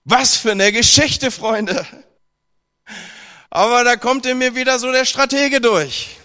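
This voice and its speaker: A high-pitched man preaches to a seated congregation, with his voice ringing through a hall with long reverb. He is from northern Germany and mixes scripture reading with wry, joking retellings. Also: takes it slowly. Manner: lively, humorous retelling with mock dialogue.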